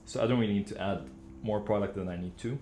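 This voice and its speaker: A man working as a makeup artist, talking through a makeup routine in a relaxed, chatty way and correcting himself now and then. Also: fairly low pitch, a little hiss or hum. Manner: relaxed, chatty, with quick self-corrections and light laughs.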